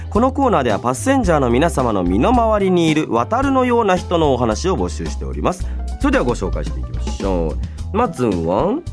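A man in his thirties hosting a casual radio show, chatting playfully and reading listener mail in a polite but loose way, often chuckling at himself. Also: on the high side. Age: 30s. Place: radio studio. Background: background music.

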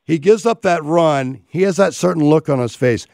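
A man with a raspy voice hosting a casual sports talk show, rambling through his game analysis. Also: fairly high pitch, moderate pace, darkish tone, no echo, studio quality.

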